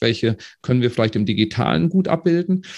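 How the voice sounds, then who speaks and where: A man's medium-pitched voice with very wide pitch swings over a quiet background. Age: 30s. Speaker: marketing agency executive. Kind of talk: interview conversation.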